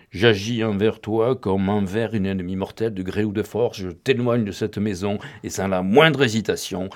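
A man reading aloud as a stern young gentleman who speaks slowly and accusingly to his lover. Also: on the low side, close to an everyday voice. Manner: slow, accusing, firm. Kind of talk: audiobook reading.

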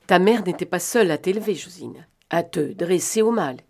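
A woman reading a probing insistent gentleman. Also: lowish voice, lively intonation, moderate pace, gravelly. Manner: questioning, insistent. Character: probing stern young gentleman. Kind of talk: audiobook reading.

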